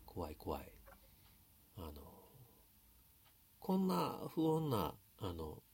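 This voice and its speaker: A man's voice: on the low side, wildly swooping pitch, drawn-out words, vocal fry, darkish tone, husky. A man with a Kansai accent thinking aloud as he talks through a song's lyrics in a casual, explanatory way. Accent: Kansai Japanese. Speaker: music commentator. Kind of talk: casual talk analyzing song lyrics.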